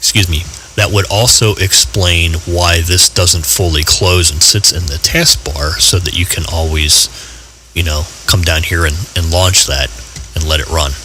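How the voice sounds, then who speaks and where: Amid noticeable background noise, a man with a very deep, low pitch speaks fairly slowly, with ordinary pitch variation. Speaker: amateur radio software tutorial host. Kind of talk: tutorial.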